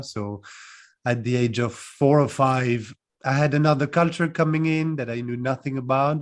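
Man, measured and reflective. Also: mid-range voice. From France. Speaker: guest, coach. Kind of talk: casual interview.

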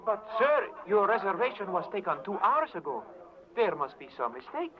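An actor playing a courteous, puzzled hotel desk clerk in an old radio drama, speaking formally. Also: male voice, sits high, big pitch swings, normal speed. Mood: puzzled, polite. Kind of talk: 1940s-50s radio drama acting. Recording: muffled old radio recording, crowd behind.

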